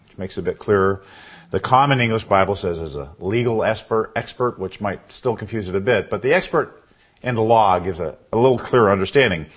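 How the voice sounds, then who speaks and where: A man preaching a sermon in a church, asking the congregation questions as he goes, with a husky baritone voice. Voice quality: husky with a cough. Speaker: pastor. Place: church sanctuary.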